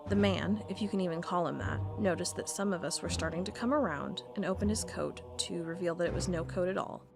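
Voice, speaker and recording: A woman giving a scripted first-person narration as a field agent, in a measured, deliberate, report-like way. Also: on the low side, vocal fry. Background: music.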